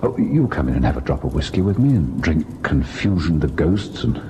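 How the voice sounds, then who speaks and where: An actor playing a haunted husband who tells and relives a ghost story in a grave, deliberate radio drama style. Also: male voice, extremely low pitch, big pitch swings, darkish tone, full character voice. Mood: shaken, defensive. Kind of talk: old-time radio ghost story acting, narrating and in scene. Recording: noisy old radio drama recording.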